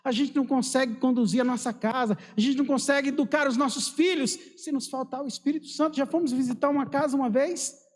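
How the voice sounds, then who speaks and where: Man, Brazilian accent, fervent sermon, high voice, long church reverb. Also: steady tone, quick pace. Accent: Brazilian Portuguese. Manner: fervent, emphatic preaching with rhetorical questions. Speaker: preacher.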